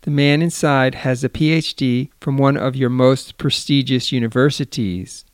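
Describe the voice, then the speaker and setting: A man's voice: mid-range voice, fairly even intonation, normal speed, clear, resonant tone, no echo, clean studio sound, lightly acted. A man reading the part of a formal, polite male friend acting as a guide. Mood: hushed.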